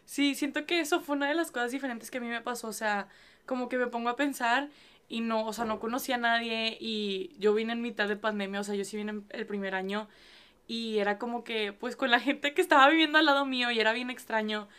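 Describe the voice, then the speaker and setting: A woman's voice: fairly high pitch, a little fast, fairly bright tone, clean tone. Chatty young woman host. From northern Mexico. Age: young adult. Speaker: podcast host. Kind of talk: casual podcast conversation.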